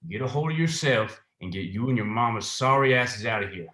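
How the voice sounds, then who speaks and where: A man's voice: mid-range voice, animated, brisk, sharp tone. A man playing a menacing, corrupt small-town sheriff in a script read, commanding and contemptuous. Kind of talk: screenplay table read. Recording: roomy, echoing sound.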